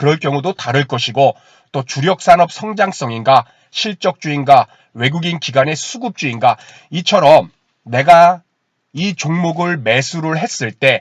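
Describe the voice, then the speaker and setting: A somewhat breathy man with fairly high pitch talks at a fairly slow pace, in a dry, close sound with no echo over a quiet background. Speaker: stock trading youtuber. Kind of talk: tutorial. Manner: formal.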